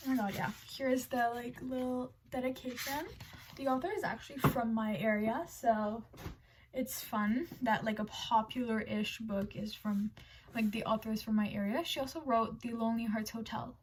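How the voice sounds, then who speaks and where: A woman's voice: fairly high pitch, fairly even intonation, normal speed, slight background noise. A young woman showing off a haul, chatting casually in a bubbly, rambling way with many restarts. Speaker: book vlogger.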